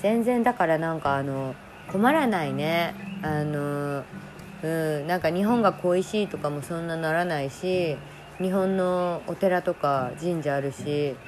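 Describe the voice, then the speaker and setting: With music playing behind, the voice is relaxed and fairly slow, with ordinary pitch variation. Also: woman, fairly low pitch for a woman. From Japan. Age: 30s. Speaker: podcast host. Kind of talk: casual monologue. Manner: relaxed, chatty.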